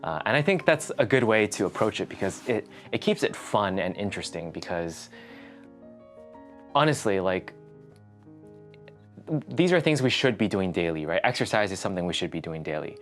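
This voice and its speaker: Low-voiced man chatting in a casual vlog. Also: expressive, normal speed, faint music behind. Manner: rambling, thinking aloud. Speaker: host of a fitness challenge vlog. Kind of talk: casual chat to the viewer.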